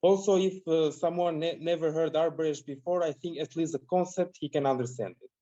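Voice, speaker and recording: A man's voice: a little high, fairly quick, mellow. Young Albanian man on a muffled call. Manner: hesitant, many fillers and restarts. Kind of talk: casual video call discussion. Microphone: laptop mic on video call. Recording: dull lo-fi call audio.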